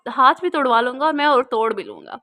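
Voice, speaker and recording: A woman's voice: high-pitched, lively intonation, quick pace, sharp tone. A woman reading the part of a cocky young man who taunts and threatens. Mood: taunting. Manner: taunting, smug.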